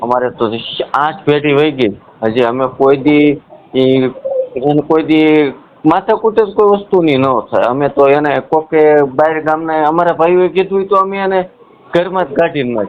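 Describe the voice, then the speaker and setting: A man's fairly high voice with ordinary pitch variation and very even loudness, over noticeable background noise. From Saurashtra, Gujarat (Dhari, Amreli district). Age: 20s. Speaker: caller. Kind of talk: argumentative phone call. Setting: phone call.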